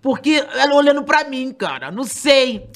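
A woman in a casual chat with friends, recounting memories in an animated, giggly way. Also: high-pitched, normal speed.

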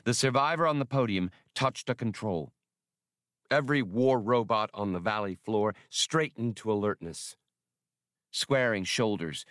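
A man reading a science fiction adventure aloud as an audiobook narrator, in a measured, expressive storytelling delivery. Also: fairly low pitch, no echo, clean studio sound.

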